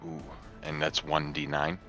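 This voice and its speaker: A man's voice: rumbling low, completely flat delivery, a little slow, bright, forceful tone, faint music behind. A man playing a tabletop roleplaying game, talking casually as one of the players.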